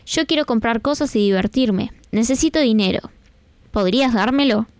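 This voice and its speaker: A boy who slowly becomes a weary old man keeps asking the tree for things, as a woman reads his lines. The voice stays fairly high and close to her own. The studio sound is dry and close. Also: expressive, no echo. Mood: wanting.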